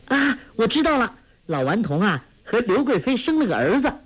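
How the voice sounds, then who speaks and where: A man voicing a clever, lively teenage girl who is pert and quick to argue, in a storybook reading. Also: high-pitched, voice pushed up. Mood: eager.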